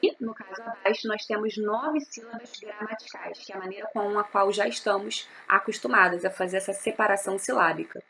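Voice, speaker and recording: A woman's voice: mid-range voice, fairly quick, vocal fry, sharp tone, a little hiss or hum. A woman, teaching a recorded literature class and explaining step by step, asking and answering her own questions.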